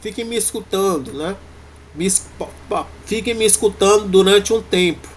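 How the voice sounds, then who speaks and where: A man with a Brazilian Portuguese accent, teaching a university Greek class in a halting way, full of fillers and restarts. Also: high-pitched, slight background noise. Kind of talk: classroom lecture.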